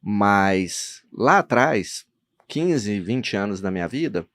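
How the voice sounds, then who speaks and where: A man's voice: lowish voice, animated, takes it slowly, a bit bright, dry recording. A Brazilian man hosting a podcast interview as a therapist, explaining things at length and often checking in with tag questions. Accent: Brazilian Portuguese. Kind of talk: conversational interview.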